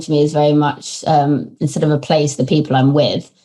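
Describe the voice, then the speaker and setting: A woman speaks with an English accent at a fairly quick pace. Her pitch is very deep and low, with a dark, mellow tone. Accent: English, mistaken for Australian by Americans. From UK. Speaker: podcast host. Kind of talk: casual interview chat.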